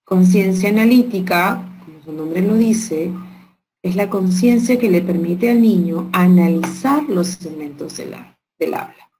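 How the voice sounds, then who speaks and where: A woman leads an online workshop for teachers, explaining each point slowly and checking in with rhetorical questions. Her voice sits a little low and has a gravelly edge. A faint hiss runs under the recording. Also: mellow, poor audio. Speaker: teacher trainer.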